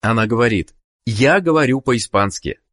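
A man narrating a scripted language course, giving clear prompts to the learner. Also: medium pitch, animated, normal speed, fairly bright tone.

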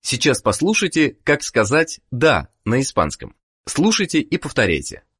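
A man narrating a language course, giving measured prompts for the listener to repeat. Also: mid-range voice, wildly swooping pitch, fairly bright tone, breathy edge. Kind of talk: scripted instruction.

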